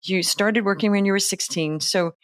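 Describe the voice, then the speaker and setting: A woman's voice: mid-range voice, moderate pace. A woman hosting an interview podcast, chatty and affirming, with many fillers. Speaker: podcast host. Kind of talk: conversational interview.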